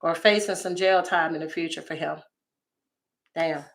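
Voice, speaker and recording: A woman with a slightly raspy voice, chatting through a tarot reading for her viewers with exclamations and asides. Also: deep voice, moderate pace. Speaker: tarot reader.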